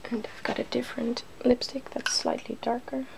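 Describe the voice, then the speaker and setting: A woman hosting a soft-spoken ASMR makeup tutorial, often slipping into a whisper. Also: a little high, flat delivery, moderate pace, creaky, poor audio. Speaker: ASMR video host. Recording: noticeable background noise.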